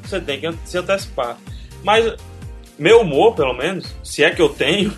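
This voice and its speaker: A man's voice: sits high, expressive, normal speed, soft background music. A man with a Cearense Brazilian accent, a podcast guest telling stories in casual chat with self-deprecating humor. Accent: Cearense Brazilian Portuguese. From Ceará, Brazil.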